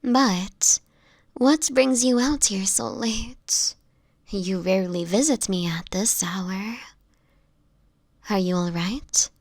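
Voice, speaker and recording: A woman acts out a sickly, world-weary vampire woman for an intimate audio drama. She speaks at a very unhurried pace, hushed and breathy, with slightly formal old-fashioned wording. Her tone is gentle and protective, and the sound is dry and close. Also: medium pitch, dry recording. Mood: concerned. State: sickly, frail, with coughs.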